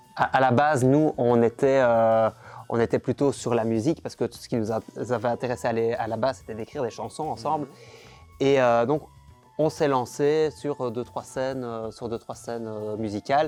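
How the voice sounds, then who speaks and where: Music plays behind a man who speaks at medium pitch and moderate pace with fairly even intonation. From Liège, Belgium. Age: 20s. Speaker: comedian and singer. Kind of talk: interview answer.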